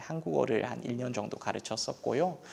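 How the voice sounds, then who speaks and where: Lively in intonation, a man speaks at a moderate pace and medium pitch. His tone is dark and mellow. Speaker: lecturer, young migrant. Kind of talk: Q&A interview. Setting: online video stream.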